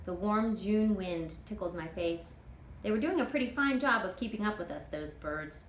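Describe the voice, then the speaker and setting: A woman author reading a children's novel aloud as expressive, scripted first-person narration. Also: mid-range voice, normal speed. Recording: roomy echo, clear background noise.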